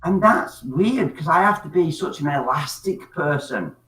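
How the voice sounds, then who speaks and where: A man's voice: a little high, expressive, measured pace, a bit bright. A drunk man from Scotland, rambling and swearing through a casual online chat. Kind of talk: casual chat on an open call-in platform. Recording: echoey, distant mic.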